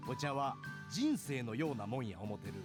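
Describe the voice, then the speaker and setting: A man acting a wise older gentleman in a visual novel, with a Kyoto accent. His gentle, philosophical speech has plenty of rise and fall and moves along briskly. Clear music plays underneath. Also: medium pitch, sing-song, natural voice. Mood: kindly, reflective. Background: game background music.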